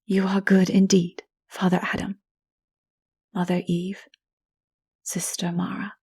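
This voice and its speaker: A woman voicing a humble, wondering male hero in a dark fantasy audiobook, earnest and subdued. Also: on the low side, monotone, takes it slowly, slightly rough, heavily acted. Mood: humbly ashamed.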